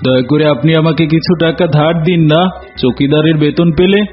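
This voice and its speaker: A sly, boastful old cartoon tiger played by a man, theatrical and two-faced in how he talks. The voice sits a little high for a male. The sound is slightly dull, with soft music underneath. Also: fairly quick, close to an everyday voice. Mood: wheedling. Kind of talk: cartoon voice acting. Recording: muffled audio with music bed.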